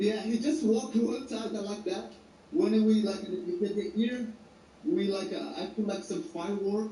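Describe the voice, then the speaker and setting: Amid noticeable background noise and audible room echo, a man with a high pitch talks at a moderate pace with ordinary pitch variation. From Brazil. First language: Portuguese. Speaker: former footballer. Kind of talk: radio interview. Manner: halting, with many fillers.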